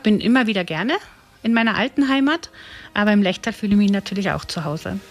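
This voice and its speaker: A middle-aged woman from eastern Germany, an herbalist and park ranger, telling her stories in a lively way. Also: mid-range voice, fast. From Saxony-Brandenburg border, eastern Germany.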